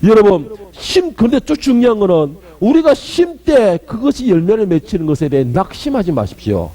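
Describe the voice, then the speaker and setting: A man's voice: sits high, very animated, normal speed. A male pastor preaching a sermon, emphatic and often quizzing his congregation. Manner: emphatic, questioning the congregation, swinging between loud and hushed.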